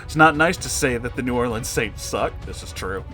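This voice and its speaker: A man's voice: mid-range voice, expressive, brisk, music in the background, close to an everyday voice. Man as a cocky, mock-sweet unicorn store worker. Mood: sickly sweet scolding. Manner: taunting, sickly-sweet customer service politeness.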